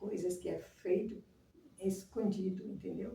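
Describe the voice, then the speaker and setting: Speech at a moderate pace carries audible room echo. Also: woman. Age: 60s. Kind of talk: informal sermon. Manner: halting, with frequent fillers.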